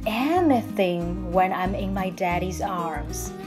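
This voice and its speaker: Music plays in the background as a woman speaks at a very slow pace. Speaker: story time host who reads books aloud in English and Mandarin. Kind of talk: children's picture book read-aloud in English. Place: home room. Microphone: phone near.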